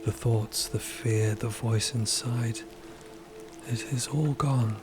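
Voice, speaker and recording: An actor voicing a detached, emotionless undead cosmic explorer in an audio drama, speaking formally and deadpan. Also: male voice, mid-range voice, slow pace, over music, natural voice. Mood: detached, flat. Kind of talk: dramatic audio fiction acting.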